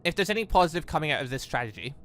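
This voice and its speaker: A man's voice: on the high side, big pitch swings, racing, fairly bright tone, soft background music. A man giving let's play commentary as a gaming channel host, often stammering and breaking off to comment. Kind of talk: let's play commentary, reading visual novel dialogue aloud and reacting.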